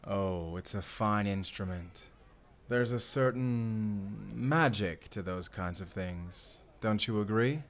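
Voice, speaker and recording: A man playing a suave, menacing fantasy villain in an audio drama, speaking with theatrical, deliberate politeness and command. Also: fairly low pitch. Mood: smooth, curious. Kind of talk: audio roleplay acting.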